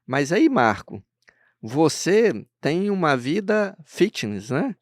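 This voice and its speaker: A man's voice: on the high side, very animated, takes it slowly, dry recording. A Brazilian man hosting a podcast interview as a therapist, explaining things at length and often checking in with tag questions. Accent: Brazilian Portuguese. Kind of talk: conversational interview.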